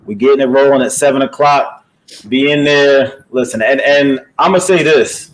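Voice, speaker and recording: A man's voice: mid-range voice, moderate pace, low-quality recording. A man talking casually as a boxing promoter, upbeat and urging, with a motivational streak.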